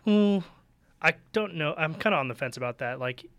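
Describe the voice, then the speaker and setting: Male panelist, bright mid-range voice, close dry sound, measured and conversational. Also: fairly high pitch, expressive, no room sound. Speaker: podcast panelist. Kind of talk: casual panel chat about video games.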